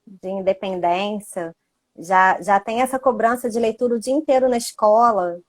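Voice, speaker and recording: A woman's voice: medium pitch, normal speed. A Brazilian Portuguese-speaking woman moderating a live stream and passing on viewer questions. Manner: conversational, reading out viewer questions. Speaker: speech therapist, moderator. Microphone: phone or video call.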